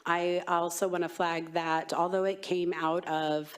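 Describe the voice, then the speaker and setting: A woman legislator with a cold giving formal, measured committee testimony, her voice hoarse. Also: lowish voice, level tone.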